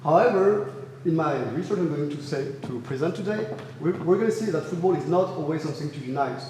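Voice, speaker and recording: A man's voice: a little high, animated, a little fast, warm tone, slight background noise. French-accented young man in an echoey hall. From France. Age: young adult. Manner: earnest, with frequent fillers and restarts. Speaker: student presenter. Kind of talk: academic thesis presentation. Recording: roomy hall reverb, faint ambience.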